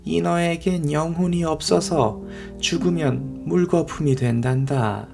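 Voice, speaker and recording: A man voicing a wise, gentle old mermaid grandmother explaining things slowly in a children's storybook. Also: a little high, gravelly, faint music behind, voice pushed up. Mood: gentle, solemn.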